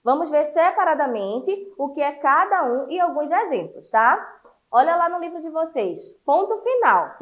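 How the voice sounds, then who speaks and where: Lively high-voiced woman teaching children. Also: moderate pace. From Brazil. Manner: lively, encouraging, explains step by step. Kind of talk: online class for children.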